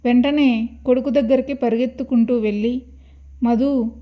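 A woman narrating a scripted horror story in a steady, dramatic storytelling manner. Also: a little high, measured pace, highs cut off.

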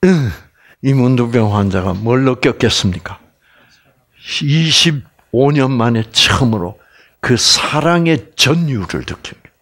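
A man's voice: mid-range voice, lively intonation, a little slow, a bit bright. A man giving a live Bible lecture as a health lecturer, telling the story dramatically and prompting the audience with repeated questions. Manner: emphatic, dramatic storytelling delivery.

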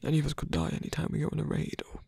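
Guy playing soft villain confessing love, super husky breathy and creaky, halting, close asmr mic. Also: on the high side, sing-song, no room sound, exaggerated voice. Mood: guarded, tender. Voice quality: breathy, often dropping to a whisper. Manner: halting, hesitant delivery with pauses. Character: guarded, lovestruck male villain, hesitant and tender. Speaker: ASMR roleplay voice actor. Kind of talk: ASMR romantic roleplay, intimate and halting. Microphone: close dry microphone.

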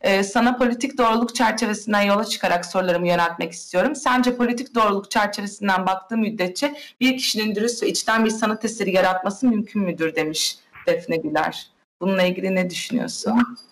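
A woman's voice: medium pitch, fast talker. A young woman interviewer reading out audience questions over a video call. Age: young adult. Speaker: interviewer, editor. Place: indoor room at home, video call. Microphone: video call microphone.

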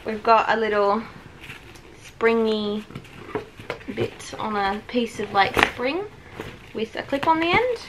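A woman's voice: a little high, takes it slowly, long pauses. A woman chatting casually at home as she reviews a product, with children nearby. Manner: chatty and relaxed, with many "like" fillers. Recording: clearly noisy home recording.

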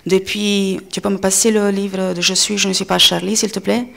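A woman in her thirties with an Italian accent, a native Italian speaker, giving a semi-improvised conference talk with hesitant pauses and self-corrections. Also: medium pitch, flat delivery, gravelly, fairly bright tone. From Italy. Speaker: coordinator of a media organisation, panel speaker. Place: indoor conference panel table. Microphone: gooseneck table microphone, close.

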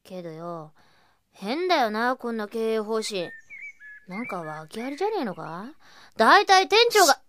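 A woman playing a brash, clumsy young tomboy brawler working as a maid, with rough, excitable slangy speech in anime-style radio drama. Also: on the high side, measured pace. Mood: sulky, curious.

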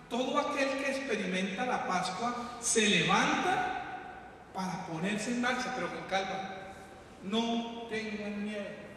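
A male priest delivers a sermon in a high voice, swinging from forceful calls to near-whispered appeals. He is captured from a distance, and his words roll around a big, echoing church hall. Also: slight background noise. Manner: impassioned, shifting from shouts to hushed appeals. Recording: echoey hall, distant mic.

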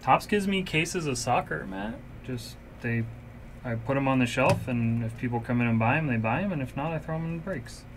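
A man's voice: medium pitch, fairly quick, a little hiss or hum. A man hosting a card break, casually calling out cards and numbers as he opens packs in a shop room.

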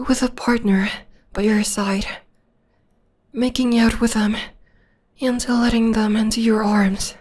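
A woman playing an obsessed, possessive young vampire stalker in an intimate, breathy, half-whispered ASMR roleplay. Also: fairly high pitch, a little mellow.

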